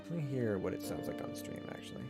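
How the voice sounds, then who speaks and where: A man's voice: mid-range voice, big pitch swings, quick pace, gravelly. A man streaming a visual novel, reading the narration dramatically and adding casual asides. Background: faint music.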